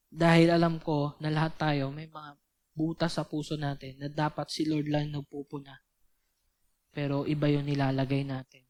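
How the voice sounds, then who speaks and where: A woman's voice: fairly low pitch, a bit bright. Young woman giving a chatty youth sermon. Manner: conversational, keeps asking rhetorical questions. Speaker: youth speaker. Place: church youth service.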